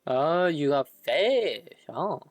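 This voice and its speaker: A woman's voice: low voice, big pitch swings, slow, darkish tone. A woman live-streaming a game with casual, blunt, offhand reactions into a close mic.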